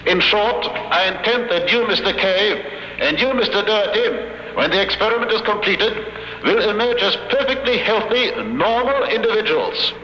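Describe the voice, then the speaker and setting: High-pitched, gloating mad scientist villain. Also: male voice, expressive, moderate pace, sharp tone. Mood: smug gloating. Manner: pompous, formal, menacing. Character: gloating, megalomaniac European scientist villain, male. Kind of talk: 1950s radio drama acting. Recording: echoey, noisy vintage 1950 radio broadcast.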